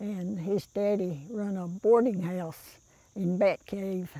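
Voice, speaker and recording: Speaking in a Southern Appalachian accent, a woman keeps a fairly even intonation. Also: very clean recording, silent background. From US South, western North Carolina mountains. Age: 80s+. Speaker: farm elder. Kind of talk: oral history interview.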